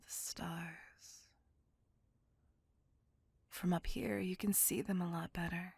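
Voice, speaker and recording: A woman voicing a possessive, doting, centuries-old female vampire in an ASMR roleplay, whispering softly with formal, old-fashioned phrasing. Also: fairly low pitch, flat delivery, extremely slow, creaky, slightly rough, no echo, heavily acted. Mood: wistful. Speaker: voice actor.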